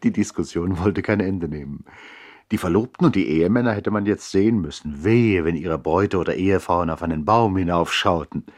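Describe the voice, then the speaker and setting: A wry nobleman recalls his eccentric brother in a 1960s radio play. His voice is very low and husky, with a measured, reflective storytelling manner. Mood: wry, musing.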